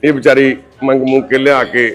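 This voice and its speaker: A male charity volunteer at a care home, talking in a gentle, soothing and reassuring way. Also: mid-range voice, little pitch movement, normal speed. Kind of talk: comforting, casual talk.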